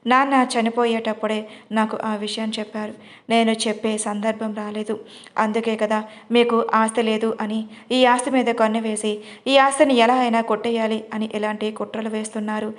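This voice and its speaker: A woman voicing an angry young man, a grieving son who shouts loud accusations in a storybook audio drama. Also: on the high side, flat delivery, normal speed, natural voice. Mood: accusing.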